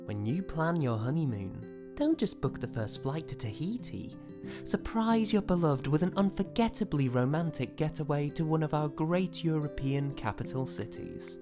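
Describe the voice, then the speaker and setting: A man's voice: a little high, animated, normal speed, music in the background. A young man reading scripted voice-over in the manner of an advert or documentary. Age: young adult. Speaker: voice actor.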